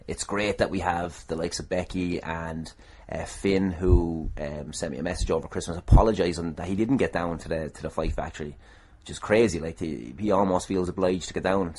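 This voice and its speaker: A man's voice: low voice, fairly even intonation, fairly quick, a little mellow. An Irish man hosting a casual solo podcast, self-deprecating, irreverent and a little sweary. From Ireland. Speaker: podcast host and wrestler.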